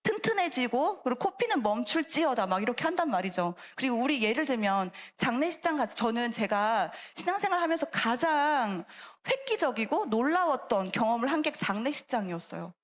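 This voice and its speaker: A middle-aged woman gives a seminar talk in a church. Her voice sits high and swoops up and down with energy. She keeps it chatty and acts out little voices as she explains. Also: a little fast, hardly any pauses. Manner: animated, acts out quoted voices, chatty asides. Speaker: church lecturer. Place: church sanctuary.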